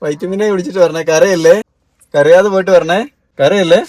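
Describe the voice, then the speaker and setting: A woman's voice: lowish voice, fairly even intonation, moderate pace, a little mellow. A woman vlogging casually from a parked car, chatting and coaxing a small child along. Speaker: vlogger and mother. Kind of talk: casual family vlog chat.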